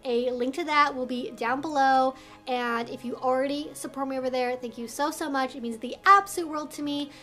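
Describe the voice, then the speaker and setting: High-pitched woman presenting an explainer vlog. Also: a little fast, bright, forceful tone. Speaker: video host and educator. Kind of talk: semi-scripted explainer vlog to viewers.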